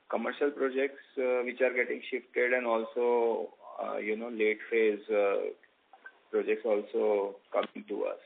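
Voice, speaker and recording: Indian-accented man, gravelly, on conference call. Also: lowish voice. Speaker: company executive. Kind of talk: earnings call presentation and answers. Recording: dull band-limited conference call audio.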